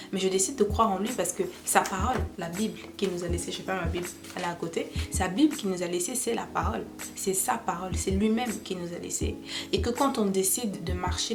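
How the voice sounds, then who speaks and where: Young woman, stuffy from a cold, earnest, casual to-camera talk, music behind. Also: mid-range voice. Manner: earnest, repeats "d'accord?" to check in. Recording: clear music in the background.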